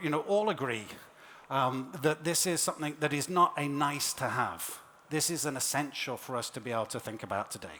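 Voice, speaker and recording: A man's fairly high voice at a fairly quick pace, with ordinary pitch variation and noticeable background noise. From UK. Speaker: tech company product strategist. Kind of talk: conference keynote. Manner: conversational, animated.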